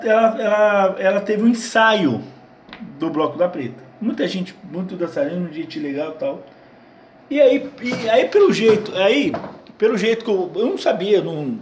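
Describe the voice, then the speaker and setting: A man from Brazil chats loosely through viewer questions. He restarts his sentences often and repeats words as he goes. His voice sits fairly high, and the room around him rings with echo. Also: moderate pace. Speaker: channel host answering viewer questions. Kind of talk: casual Q&A chat. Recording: echoey room.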